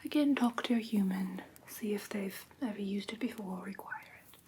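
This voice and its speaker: A woman plays a soothing female vampire who teaches human pet care in an ASMR roleplay. She whispers breathily and patiently, with gentle check-ins, over clear background hiss. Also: mid-range voice, normal speed, natural voice. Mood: gentle, instructive.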